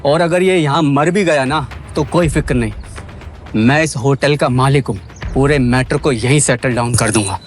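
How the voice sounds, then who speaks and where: A man's voice: mid-range voice, moderate pace, slight background noise, natural voice. An actor playing an arrogant, boastful rich young man who owns a hotel.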